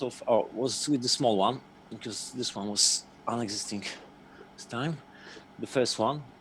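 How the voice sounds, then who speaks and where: A man's medium-pitched voice with a non-native accent and fairly even intonation. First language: not English. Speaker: inventor sharing experiments. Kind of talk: casual group video call discussion. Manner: halting.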